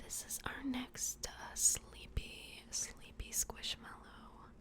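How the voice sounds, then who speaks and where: A very slow whisper comes through noticeable background noise. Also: woman. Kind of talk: ASMR roleplay, soft-spoken personal attention. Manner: soft-spoken, whispering.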